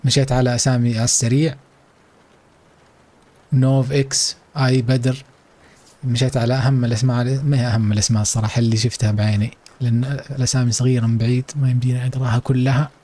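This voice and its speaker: Fast-talking Saudi streamer with a mellow voice. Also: male voice, mid-range voice, little pitch movement. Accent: Saudi Arabic. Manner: hyped and playful, chatty asides to viewers. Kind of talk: live esports watch-along commentary.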